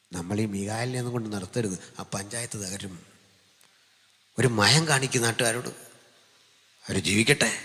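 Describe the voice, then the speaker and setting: A male pastor preaching a live sermon to a seated congregation through a microphone, jumping from loud proclamations to quiet, joking asides. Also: on the low side. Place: large hall with a seated audience. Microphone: amplified stage microphone. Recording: long hall reverb from a live PA.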